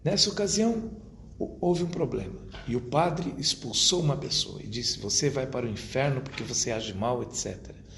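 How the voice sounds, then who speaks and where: A man giving an academic lecture to an audience at a university, speaking in a measured, rhetorical way and addressing his listeners directly. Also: medium pitch, animated, creaky, a bit bright. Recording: roomy echo, faint background noise.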